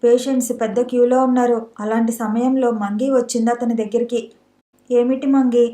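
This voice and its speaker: A woman's voice: a little high, level tone, fairly quick, mellow. Woman narrating a story in a roomy echo. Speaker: audiobook narrator.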